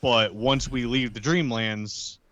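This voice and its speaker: Man playing a steady, slow-talking blunt friend. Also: mid-range voice, dry recording, lo-fi sound. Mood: reassuring.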